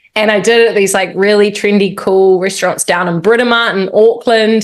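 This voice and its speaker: Talking at a fairly quick pace, a woman with a New Zealand accent keeps a medium pitch in a monotone, flat intonation. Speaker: speaking coach. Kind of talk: interview.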